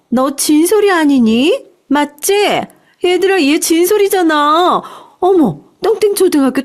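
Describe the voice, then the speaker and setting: Narrator lady doing a snooty middle-aged mean woman, high pitched, brash and taunting, audio story. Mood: gloating, mocking surprise. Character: loud, mocking middle-aged female former school bully. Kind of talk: acted dialogue in audio storytelling.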